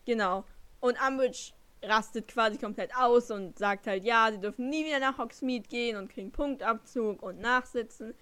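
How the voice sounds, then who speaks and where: A teenage girl with a fairly high voice, talking casually on a podcast. She chats in a relaxed way, hesitates now and then, and rephrases herself as she goes. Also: moderate pace. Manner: chatty, hesitant, self-correcting. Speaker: podcast co-host. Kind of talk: casual chat.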